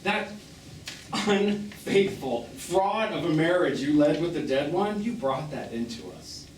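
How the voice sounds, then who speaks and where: A man's voice: fairly high pitch, animated, a little slow, far from the mic. An actor playing a bitter, witty middle-aged gay man on stage, with a theatrical, sardonic, wordy manner. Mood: accusing, bitter. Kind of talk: one-act stage play acting. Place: small theatre, live performance. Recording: roomy, noisy theatre recording from afar.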